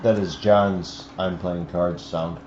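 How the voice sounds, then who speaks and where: A man's voice: sits low, steady tone, slow. A man making casual wisecracks during a tabletop game with a group. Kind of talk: casual joking side commentary at a game table. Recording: noisy, roomy, muffled livestream audio.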